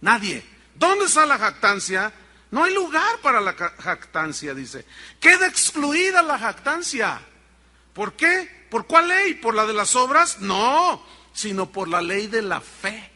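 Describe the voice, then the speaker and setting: A man's voice: sits high, sing-song, slow pace, bright, forceful tone, in a large hall. A man preaching a sermon as pastor, emphatic and firing rhetorical questions at the congregation.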